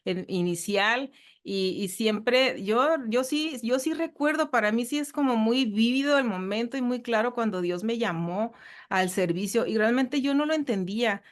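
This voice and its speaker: A woman's voice: fairly high pitch, expressive, moderate pace. A woman with a Mexican Spanish accent, from northern Mexico, giving an earnest personal testimony in a casual interview, often repeating herself and using fillers. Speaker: church guest.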